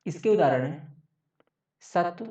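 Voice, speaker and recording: A man's voice: high voice, expressive, takes it slowly, dark tone. Male tutor, exam-prep lecture, repeats every point and checks in constantly; far from the mic, dull and muffled sound. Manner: repeats each point, checks with frequent "okay". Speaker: teacher. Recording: echoey, distant, dull mic.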